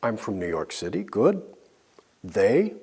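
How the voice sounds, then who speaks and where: A man teaching an English lesson, drilling example sentences slowly and clearly with pauses for learners to answer. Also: fairly low pitch, wildly swooping pitch, a little mellow. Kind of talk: slow scripted language lesson.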